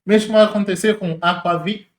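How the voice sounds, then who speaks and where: A man walks through exam questions as a teacher, in a casual, explanatory way, slowing down to spell out syllables. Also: high voice, steady tone, echoey room. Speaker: Portuguese teacher.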